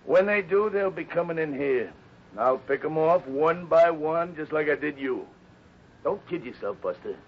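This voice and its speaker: An actor playing a menacing escaped convict in a radio adventure, with sneering, slangy tough talk. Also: male voice, fairly high pitch, expressive, moderate pace. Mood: hard, threatening. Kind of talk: 1950s radio adventure acting. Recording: muffled, noisy 1950s radio recording.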